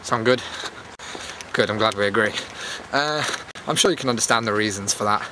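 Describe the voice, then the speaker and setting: A man's voice: lowish voice, moderate pace. A man chatting casually to his viewers in a rambling, self-deprecating vlog, talking into a handheld camera as he walks outdoors. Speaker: YouTube host. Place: outdoors, walking in a public area. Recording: clear outdoor background noise while walking.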